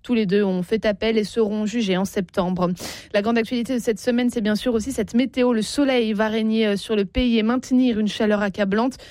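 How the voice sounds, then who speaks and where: A woman newsreader delivering a radio news bulletin in a steady, measured way from a studio. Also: on the high side, no echo.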